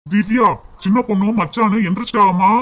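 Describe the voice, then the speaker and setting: A man's voice: high-pitched, steady tone, a little fast, fairly bright tone. A man voicing a cartoon husband who pleads and reproaches his wife on his sister's behalf. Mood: pleading. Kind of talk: cartoon voice acting.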